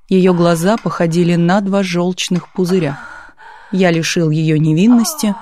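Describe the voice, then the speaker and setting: A woman narrating a literary audiobook in a calm, measured reading style. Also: mid-range voice, a little hiss or hum. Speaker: audiobook reader.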